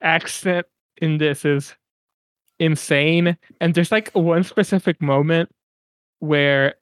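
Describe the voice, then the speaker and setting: A man with a fairly high voice talks loosely and at length in casual podcast chat. He cuts in and out of asides and swears freely. The sound is dry and close, with almost no room around him. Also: slow pace, clear, resonant tone, no room sound. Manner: rambling, animated, swears casually. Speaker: podcast co-host.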